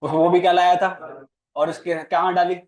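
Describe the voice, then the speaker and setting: Brief: male commerce teacher, slightly high voice, playful, quizzes students. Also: little pitch movement, normal speed. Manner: playful, teasing, questions students. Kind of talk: classroom lecture. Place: classroom.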